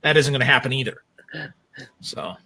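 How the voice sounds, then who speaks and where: A man chatting casually as a talk show guest, with blunt, emphatic, animated opinions. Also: mid-range voice, moderate pace, vocal fry, poor audio.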